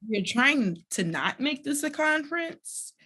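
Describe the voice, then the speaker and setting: A young adult woman speaking as a guest and organizer in a casual podcast conversation, animated and emphatic, often calling out to listeners. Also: high voice, unhurried.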